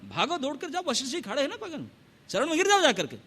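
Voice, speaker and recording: Sly, excitable sage, voiced by a man, quick scheming talk, high pitch, long hall reverb. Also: exaggerated voice.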